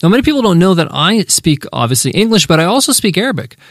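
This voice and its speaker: A man's voice: high voice, very animated, fast talker, a bit bright, no echo, clean studio sound. A man hosting a business podcast, reading a sponsor ad with upbeat, salesy energy, then wrapping up the lesson. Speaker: podcast host. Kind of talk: podcast ad read and lesson wrap-up. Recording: faint guitar music behind. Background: faint guitar music.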